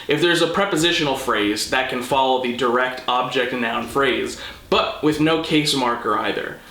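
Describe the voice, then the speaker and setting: A man presents a scripted explainer with casual touches and careful, didactic emphasis. His voice is crisp-edged and bright at an average pitch. The room adds a clear echo. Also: moderate pace. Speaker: host of a language explainer channel. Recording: roomy, echoing indoor sound.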